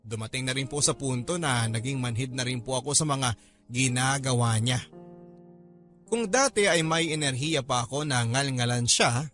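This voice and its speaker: A man narrating a scripted first-person letter for a radio drama, in a measured, confiding manner. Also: mid-range voice, a bit bright, faint music behind.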